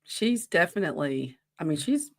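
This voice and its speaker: A woman's voice: on the low side, sing-song, normal speed. A woman in her forties, co-hosting a podcast in a casual, rambling way and easily drifting off on tangents. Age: 40s. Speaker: podcast co-host running a wrestling quiz. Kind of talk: casual chat.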